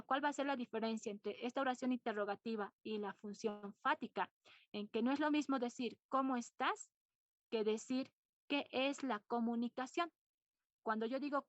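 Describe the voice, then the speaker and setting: A woman teacher takes her class through the lesson step by step, repeating points and putting questions to her students. Her voice sits a little high. The recording is dry and somewhat dull, with no room sound. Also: no echo. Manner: explains patiently, repeats points and quizzes students. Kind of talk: online class lecture.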